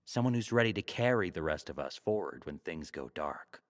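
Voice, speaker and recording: An actor playing a glib, teasing talk show host in a sci-fi audio drama, wry, theatrical and probing. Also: male voice, low voice, animated, fairly quick. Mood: earnest.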